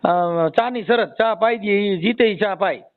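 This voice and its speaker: Tinny phone audio, high-voiced man, Saurashtra Gujarati accent, colloquial, bantering, repeats himself. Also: measured pace. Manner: teasing, colloquial, repeats and rephrases answers. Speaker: host mediating a family dispute by phone. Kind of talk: casual phone conversation, questioning and bantering.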